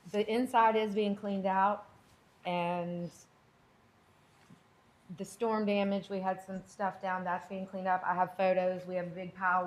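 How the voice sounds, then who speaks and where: A middle-aged woman with a loud voice giving informal testimony at a public meeting, earnest, defensive and rambling. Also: lowish voice. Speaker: property owner addressing a board. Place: indoor public meeting room.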